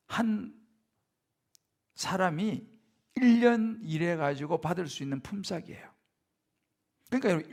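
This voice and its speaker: A man's voice: high-pitched, vocal fry. A middle-aged male pastor preaching a sermon in a church, speaking conversationally and often turning to the congregation with rhetorical questions. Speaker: senior pastor. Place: church sanctuary.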